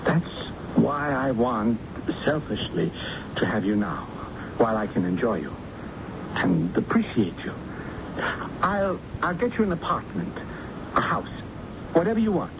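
An actor playing a wealthy older businessman in love, halting and earnest, in a radio drama. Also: medium pitch, big pitch swings. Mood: earnest, tender. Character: wealthy older businessman, pleading, lovestruck suitor. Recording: muffled, noisy old radio recording.

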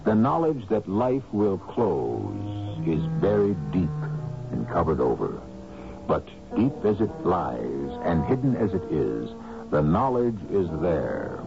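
An actor playing the solemn, brooding host of a radio mystery, narrating in a measured way with dramatic pauses. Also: male voice, low voice, very animated, gravelly, exaggerated voice. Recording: dull radio broadcast under music.

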